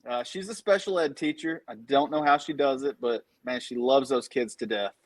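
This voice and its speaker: A man's voice: medium pitch, normal speed. A man, chatting as a podcast guest and telling stories in a laid-back way. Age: 30s. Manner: laid-back storytelling, frequent laughs. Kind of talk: casual chat.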